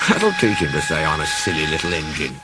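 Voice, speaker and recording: A man's voice: extremely low pitch, animated, fairly quick. A man voicing a cheeky, mischievous little male engine who talks in a sly, conspiratorial tone, with music behind.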